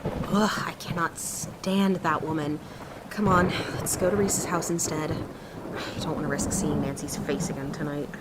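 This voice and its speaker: A woman's voice: deep voice, steady tone, unhurried, heavy background noise. A woman playing a blunt, defiant young daughter of a mayor in an audio drama, curt and sardonic. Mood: weary, annoyed.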